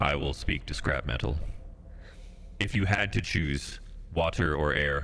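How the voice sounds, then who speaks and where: A man puts on a character voice, pitched very deep and low, at a moderate pace with long, frequent pauses. Clear background noise runs behind him. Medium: actual play. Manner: formal, stiff, unemotional.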